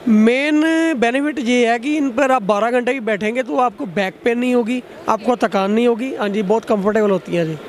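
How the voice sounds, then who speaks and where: A middle-aged man with a Punjabi accent, a business owner answering interview questions plainly and haltingly at a busy expo stand, speaking into a handheld mic. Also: very high-pitched. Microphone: reporter's handheld mic.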